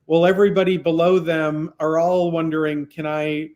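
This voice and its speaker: Measured man with a fairly high voice. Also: level tone, a little mellow, lo-fi sound. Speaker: filmmaker, co-guest. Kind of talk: conversational interview.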